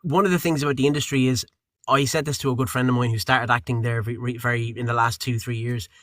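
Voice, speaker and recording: A man's voice: mid-range voice, flat delivery, fast, a bit bright, no room sound, studio quality. A man working as a voice actor and narrator, chatting casually in an interview, rambling with many fillers and restarts.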